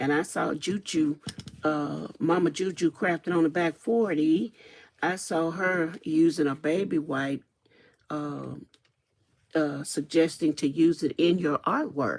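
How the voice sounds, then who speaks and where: With a Southern US accent, a woman speaks in a very deep, low pitch at a fairly slow pace, with ordinary pitch variation. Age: 60s. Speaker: crafter livestreamer. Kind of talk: casual livestream chat while crafting. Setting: live stream.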